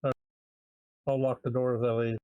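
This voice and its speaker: A man's voice: medium pitch, little pitch movement, normal speed, clear, resonant tone, phone-quality sound. A man playing a tabletop game, easygoing, speaking in short plain sentences. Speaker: player. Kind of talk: casual play at a tabletop game.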